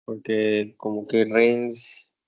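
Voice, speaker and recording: A man's voice: fairly low pitch, monotone, very slow, darkish tone, lo-fi sound. A male student answering the teacher's questions in class, hesitant and thinking aloud.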